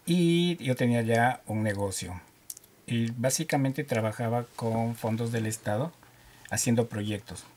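Animated Quito man telling stories. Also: medium pitch, a little slow, a little hiss or hum. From Ecuador. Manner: animated storyteller, jokes and laughs often. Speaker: guest, driving instructor. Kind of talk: casual radio interview.

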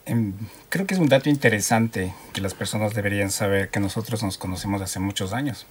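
A man from Ecuador with a Quito accent, a guest telling his story in a relaxed, playful way. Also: lowish voice, a little fast, breathy edge. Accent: Quito Spanish. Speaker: interview guest, driving instructor. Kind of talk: casual radio interview.

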